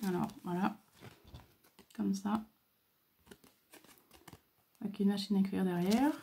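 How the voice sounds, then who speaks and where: A woman from France talks through her crafts in a casual show-and-tell, unhurried and full of fillers. Her voice is warm and mellow, never bright. She sounds soft and admiring, pausing often to find her words. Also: medium pitch, fairly even intonation, creaky, a little hiss or hum. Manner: hesitant, many fillers and pauses. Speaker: craft video host.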